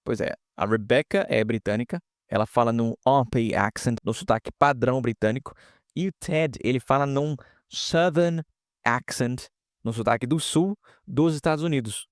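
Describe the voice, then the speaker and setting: A man's voice: mid-range voice, moderate pace, dry recording, studio quality. A man teaching English pronunciation in a casual online lesson, explaining step by step and often checking in with students.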